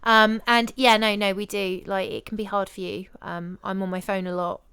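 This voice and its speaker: A woman's voice: mid-range voice, little pitch movement, normal speed, fairly bright tone, clean tone. A young woman with a giggly, blunt, sassy manner, chatting casually as a podcast co-host. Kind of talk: casual chat.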